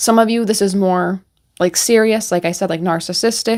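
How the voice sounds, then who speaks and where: A woman's plain, everyday voice, medium in pitch, with fairly even intonation at a moderate pace, on a very clean recording with a silent background. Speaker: tarot reader. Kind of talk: tarot reading monologue. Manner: casual with many fillers.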